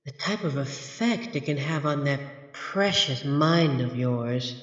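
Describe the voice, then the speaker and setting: A woman's voice: extremely low pitch, animated, full character voice. Woman playing a haughty, echoing under-bed monster. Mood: menacing, taunting. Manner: taunting, haughty, drawn-out theatrical delivery. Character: smug, menacing, theatrical monster from under the bed. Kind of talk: scripted audio roleplay. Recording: echoey reverberant hall, slightly dull.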